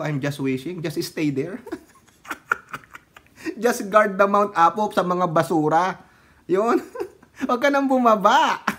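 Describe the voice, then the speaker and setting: A political commentary vlogger with a Filipino accent and a high-pitched, fairly bright voice delivers sarcastic, casual remarks. He laughs a lot and breaks into snatches of song.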